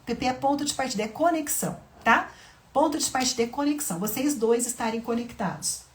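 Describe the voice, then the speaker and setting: Woman parenting teacher, higher voice. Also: lively intonation, fairly quick. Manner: acts out gentle mother-to-child dialogues; frequent tag questions, explanatory. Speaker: parenting educator. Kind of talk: teaching lesson to mothers.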